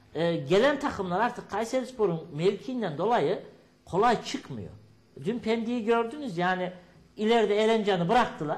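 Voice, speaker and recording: A man speaks in a high pitch with lively intonation. His pace is moderate. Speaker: football commentator. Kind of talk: sports panel discussion. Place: studio.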